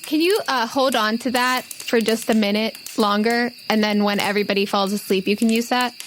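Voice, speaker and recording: A woman's voice: on the high side, steady tone, a little fast, slight background noise. A woman hosting a tabletop role-playing podcast as game master. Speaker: game master, host and producer. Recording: loud music behind the voice.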